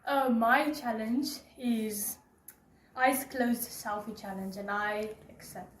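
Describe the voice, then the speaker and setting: A woman's voice: on the high side, steady tone, slow. A woman on a church crew taking part in a challenge, hesitant and careful. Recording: echoey room with faint ambience.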